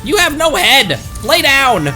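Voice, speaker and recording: Animated, bright-voiced man streaming a game. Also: very high-pitched, slow pace, faint music behind. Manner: excitable, animated. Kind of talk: casual live gameplay commentary.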